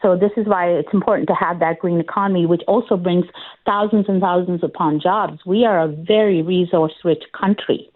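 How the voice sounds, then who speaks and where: On a talk radio phone interview, a woman running for office makes her case through a tinny, narrow-band line. Her low-ish voice is steady and brisk, earnest and campaigning, though she often stops to restart sentences and fill gaps.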